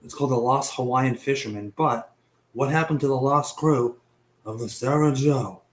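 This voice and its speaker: The host of a casual online mystery show, a young man, narrates at normal speed in a mid-range voice. He chats freely with a bit of profanity, stumbles over names, and has a cough along with a partly lost voice.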